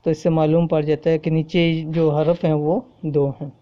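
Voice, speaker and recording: A woman with a deep voice and flat delivery, heard in dull audio, is teaching Quran recitation. She explains patiently, says each point again, and asks "okay?" to confirm her students are following along. The Arabic examples she recites are slow and drawn out, as fits an explanatory tajweed lesson.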